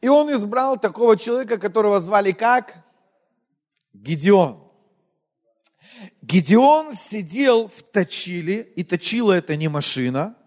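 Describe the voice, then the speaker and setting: A preacher from Moldova with a high voice for a man, talking through his sermon like a conversation. He quizzes the congregation and often sinks to a near-murmur. His words ring out with a long hall reverb. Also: expressive, unhurried, pauses often. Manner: conversational, asks the congregation questions, often drops to a quiet voice.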